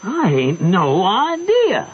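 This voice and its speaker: A muffled old radio drama with faint noise. a mild old uncle, uneasy and flustered, speaking slowly with big rises and falls. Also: male voice, sits high, wildly swooping pitch, full character voice. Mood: uneasy, puzzled.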